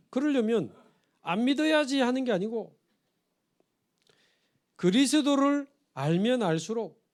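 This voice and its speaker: Pastor guy w/ preaching, fairly high voice, tells stories and acts out the quotes. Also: darkish tone. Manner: storytelling with acted quotes, rising emphatic appeals. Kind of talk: sermon. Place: church sanctuary.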